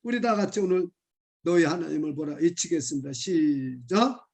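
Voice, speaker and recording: A man preaching a sermon as pastor, calling the congregation to shout along and rising to loud exclamations. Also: fairly high pitch, expressive, normal speed.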